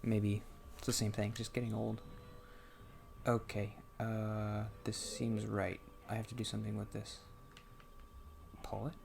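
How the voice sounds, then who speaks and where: A soft-spoken man with a quiet voice, halting and muttering to himself as he plays through a game, on a microphone turned up high. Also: completely flat delivery, vocal fry, a little hiss or hum. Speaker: gaming channel host. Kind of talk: casual gameplay commentary. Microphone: computer microphone turned up loud.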